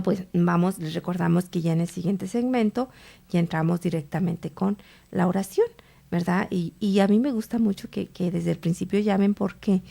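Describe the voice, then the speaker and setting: A woman hosts a radio prayer program, speaking slowly about faith and often checking in with her listeners. Her voice sits low, with a mellow, dark tone and a gravelly fry at the ends of phrases. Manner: unhurried, with frequent tag questions to listeners. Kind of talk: radio Bible teaching and prayer.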